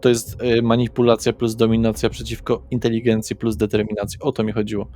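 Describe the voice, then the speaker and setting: A man's voice: on the low side, completely flat delivery, fast talker, dark tone. Man game-mastering over music. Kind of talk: tabletop horror RPG narration and rules talk. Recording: background music under the voice.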